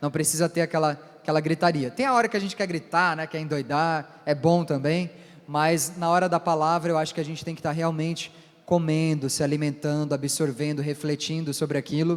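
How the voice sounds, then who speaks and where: The speaker is a man with a fairly high pitch. He moves at a fairly quick pace with fairly even intonation. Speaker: pastor. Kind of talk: sermon. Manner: not shouting.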